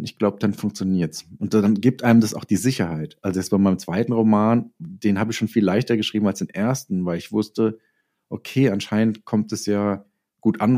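A man's voice: on the low side, mellow. A middle-aged man speaking as an author being interviewed, thoughtful and often restarting his phrases as he searches for words. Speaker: interview guest, novelist and former advertising copywriter. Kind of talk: reflective conversational interview.

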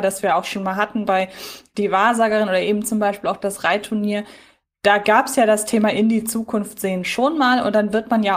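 A woman co-hosting a podcast, chatting casually in a reflective, wordy way as she thinks aloud. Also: medium pitch. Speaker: podcast co-host. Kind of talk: casual unscripted review chat.

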